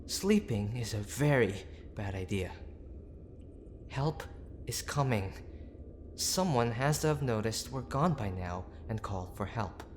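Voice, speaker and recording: A man acting a gruff but tender young boyfriend who is desperately worried, speaking in a halting, pleading, intimate way for an audio roleplay. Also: on the low side, lively intonation, slight background noise. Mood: urgent, worried. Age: young adult. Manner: halting, pleading, with sighs and breathy asides.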